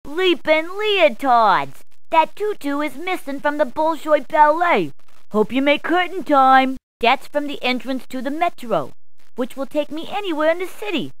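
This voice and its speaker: A woman's voice: high voice, animated, a little slow, dry recording. A woman voicing a cheery adult policewoman in a game, speaking in upbeat, chatty puns. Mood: cheerful. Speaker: voice actor. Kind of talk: game voice clips.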